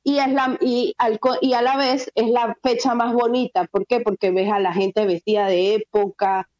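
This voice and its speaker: A woman's voice: fairly high pitch, steady tone, moderate pace, a little mellow, dry recording, muffled recording. A Venezuelan woman, a guest in a casual radio interview, talking with many fillers and restarts.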